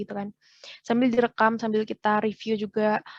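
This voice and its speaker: A shrill voice at a moderate pace, dry and close with no echo. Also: woman. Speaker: newscasting trainer. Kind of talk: training class Q&A.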